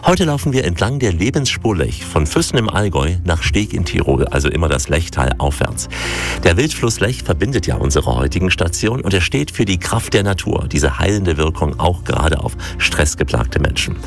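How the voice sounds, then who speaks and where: A man hosting a talk show from a studio, presenting and chatting in a friendly, teasing way. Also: low voice. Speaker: host. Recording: music bed behind.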